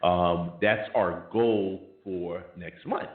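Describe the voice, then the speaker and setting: Low-voiced male co-host, jokey banter, lo-fi roomy recording. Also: steady tone, extremely slow. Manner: joking, teasing, laughs often. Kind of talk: casual radio show banter. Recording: echoey, phone-like radio sound.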